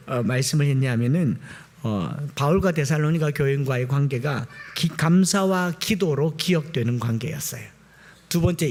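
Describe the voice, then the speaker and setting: Animated pastor preaching a lively sermon. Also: male voice. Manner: animated, switches between booming exclamations and quiet asides.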